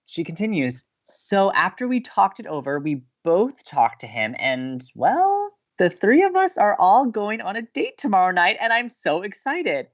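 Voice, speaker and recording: A woman playing an earnest, excitable young college radio co-host and romantic, in a scripted audio drama. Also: mid-range voice, unhurried, few pauses, muffled recording. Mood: delighted.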